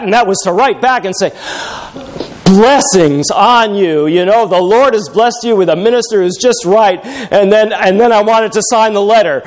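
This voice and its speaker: Middle-aged man, pastor; high-pitched, sermon delivery, wry anecdotal humor. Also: a little hiss or hum. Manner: animated storytelling with wry humor.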